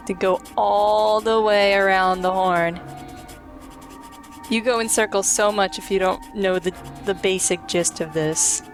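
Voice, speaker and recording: A woman's voice: medium pitch, fairly even intonation, unhurried. A woman hosting a let's play, giving casual, wry commentary with some swearing as she plays. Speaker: let's play host, player. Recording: game music behind commentary.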